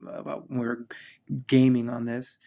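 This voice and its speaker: A man's voice: mid-range voice, completely flat delivery, moderate pace, warm tone. A man from the United States hosting a podcast, chatting casually and rambling with many fillers and restarts. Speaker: podcast host. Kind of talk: casual chat.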